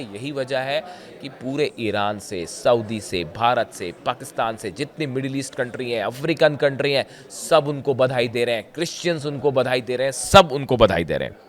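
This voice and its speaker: A hoarse man giving conversational news commentary straight to his viewers, pausing often and pointing things out as he explains. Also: medium pitch, expressive. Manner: conversational, often says "dekhiye", frequent filler pauses.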